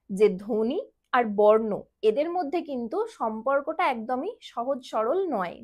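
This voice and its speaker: High-voiced woman teaching a class. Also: fairly bright tone. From West Bengal. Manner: explains slowly, repeats key points, asks students questions. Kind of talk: classroom lecture.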